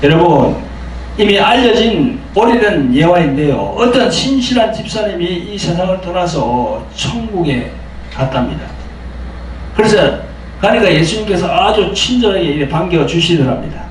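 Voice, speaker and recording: A man preaching a sermon as a pastor, emphatic and full of rhetorical questions, swinging between loud and soft. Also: sits high, expressive, moderate pace, very echoey, recorded from a distance, a little hiss or hum, poor audio.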